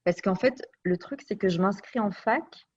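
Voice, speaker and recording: A woman's voice: mid-range voice, normal speed, a little mellow, breathy edge. A woman telling her life story as an interview guest. She speaks reflectively and searches for her words. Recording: dull lo-fi recording.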